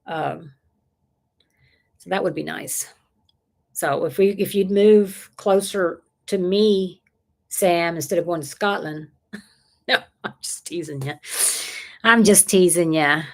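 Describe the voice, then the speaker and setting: A woman's voice: on the low side, takes it slowly, gravelly, pauses often. A woman, chatting casually on a livestream and reading viewer comments aloud, rambling and laughing often. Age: 60s. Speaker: livestream host.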